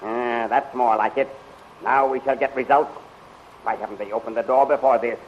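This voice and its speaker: An actor playing an impatient, imperious villain general who barks orders theatrically in 1930s radio serial style. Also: male voice, medium pitch, fairly even intonation, normal speed, lightly acted. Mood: eager, scheming. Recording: dull, noisy 1930s radio recording.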